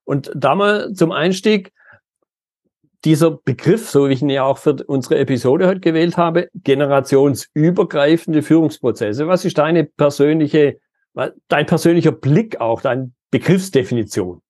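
Male podcast host, measured delivery, husky timbre, dry close-mic sound. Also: on the high side, darkish tone, dry recording. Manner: measured scripted intro, then conversational questions. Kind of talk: podcast intro and interview.

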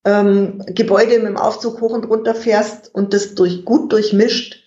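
A guest expert in an interview, explaining communication in a measured way and thinking aloud with fillers. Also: medium pitch, fairly even intonation, warm tone. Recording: dull, roomy recording.

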